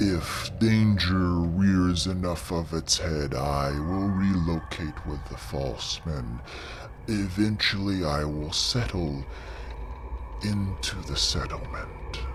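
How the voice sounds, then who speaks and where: A man's put-on character voice, very deep and low in pitch, at a very slow pace over loud background noise. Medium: actual play. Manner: stiff, formal, oddly phrased.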